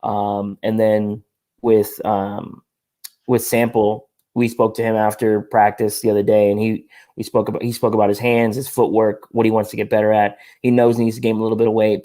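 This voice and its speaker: Man, slightly low voice, hesitant, lots of ums, casual sports chat. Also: mellow.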